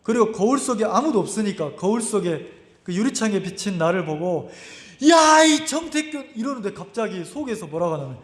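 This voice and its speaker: A man's voice: high voice, animated, brisk. A male pastor preaching a sermon in a conversational way, acting out scenes and asking the congregation questions. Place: church sanctuary. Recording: echoey church sanctuary.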